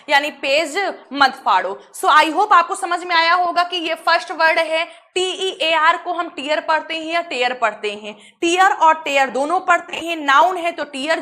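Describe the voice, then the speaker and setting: Energetic woman English teacher, high bright voice, quizzes the class then answers herself. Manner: energetic, asks and answers her own questions. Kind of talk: online English lesson.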